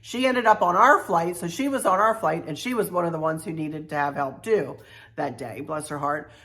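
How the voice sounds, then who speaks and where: A woman's voice: deep voice, moderate pace, a bit bright. A middle-aged woman from Virginia, telling viewers a travel story in a chatty way, repeating herself and adding folksy asides. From Virginia, USA. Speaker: travel vlogger.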